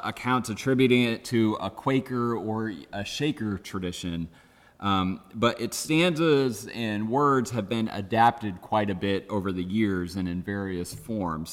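A man preaching a sermon as pastor, earnest and reflective, with careful pauses. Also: fairly low pitch, fairly bright tone. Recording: long church reverb.

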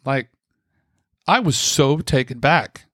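A man's voice: mid-range voice, expressive, slow pace, fairly bright tone, no echo, studio quality. An American man, telling a personal story in a rambling, chatty way with lots of fillers and asides. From United States. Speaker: speaker sharing a personal story. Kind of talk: casual storytelling.

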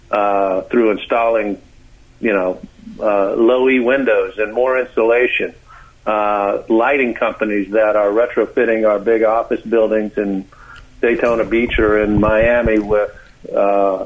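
An American man explaining as a radio interview guest, calling in, with halting speech full of uhs and repeated words. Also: on the low side. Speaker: interview guest, clean energy expert. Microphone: phone call. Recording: tinny, narrow phone line.

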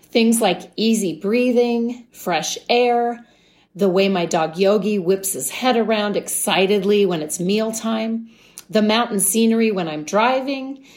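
A woman, a life wellness coach, hosting a podcast in a calm, gently encouraging, measured way. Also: medium pitch. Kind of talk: scripted podcast monologue.

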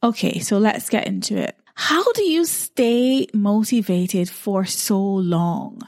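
A woman's voice: medium pitch, slow, darkish tone, no echo, studio quality. A woman, hosting a solo podcast and telling a personal story in a reflective, conversational way. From Barbados. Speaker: podcast host.

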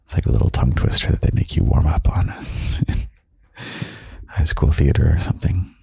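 A young man hosting a podcast of gentle, half-whispered comfort talk, slow and soft with quiet chuckles, close to the microphone. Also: a bass voice, animated, gravelly, breathy edge, no room sound. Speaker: podcast host.

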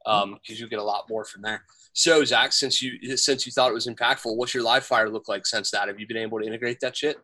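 A man hosting a casual podcast chat, upbeat and joking with quick asides, speaking into a headset. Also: mid-range voice, fairly even intonation, bright, forceful tone, no echo. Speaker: podcast host and firearms instructor.

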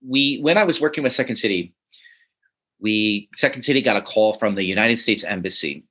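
A man who writes and teaches comedy, telling stories in a relaxed interview, often chuckling and restarting his sentences. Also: on the low side, fairly quick, slightly rough. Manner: animated, chuckling, many restarts. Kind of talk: casual interview storytelling.

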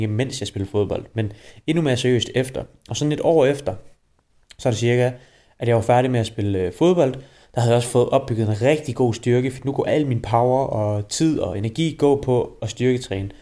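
A man from Denmark in his twenties, a personal trainer hosting a podcast and telling his own story in a relaxed, chatty way. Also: mid-range voice. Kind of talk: casual personal monologue.

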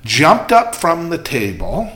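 A man's voice: a little high, wildly swooping pitch, takes it slowly, fairly bright tone. A man hosting a casual podcast about jewelry, telling candid stories with emphasis. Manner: chatty storyteller, candid and emphatic. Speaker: jeweler and show host.

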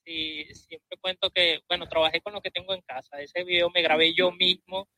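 A man's voice: high voice, little pitch movement, moderate pace, pushed and bright, no echo, poor audio. A man, a guest musician on a live interview, talking hesitantly with many fillers. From Venezuela.

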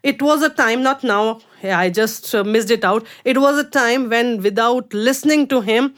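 A middle-aged woman from India with Urdu as her first language appears as a guest artist in a casual interview, her speech halting and peppered with fillers and restarts. Her voice is a little high.

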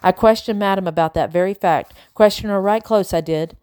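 A woman's voice: mid-range voice, brisk, a little mellow, clear, resonant tone, dry recording, lightly acted. A woman voicing an anxious, kindly servant woman in a novel, folksy and hesitant. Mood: soothing.

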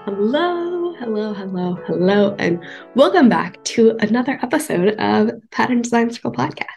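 A young adult woman with a congested voice, hosting a podcast in a casual, thoughtful talk with frequent pauses and ums. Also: a little high, expressive, creaky, a little mellow, soft background music. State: congested from a cold. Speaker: podcast host.

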